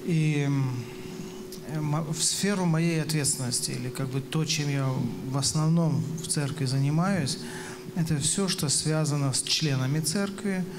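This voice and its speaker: Higher-pitched man over clear background noise. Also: moderate pace. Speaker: panel guest, pastor. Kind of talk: conversational interview answers. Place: stage in a church hall. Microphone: handheld microphone. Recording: clearly noisy room ambience.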